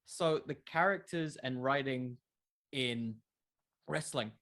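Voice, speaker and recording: A man's voice: mid-range voice, slow pace, fairly bright tone. A man speaking as a podcast creator in a casual interview, conversational and emphatic, with a self-deprecating way of talking.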